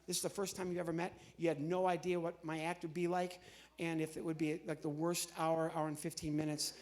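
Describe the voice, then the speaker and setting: High-voiced middle-aged American comedian, a man. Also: flat delivery, a little fast, a little mellow. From Midwestern United States. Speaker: comedian and entertainer. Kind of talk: live stand-up comedy patter to an audience. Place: on stage in a large church hall.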